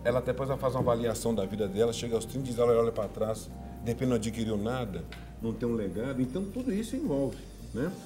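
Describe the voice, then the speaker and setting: Pastor on a talk show, mid-pitched man, lively pitch, music bed underneath. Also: racing. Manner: upbeat promotional delivery with laughs. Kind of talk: casual talk-show chat and church announcements.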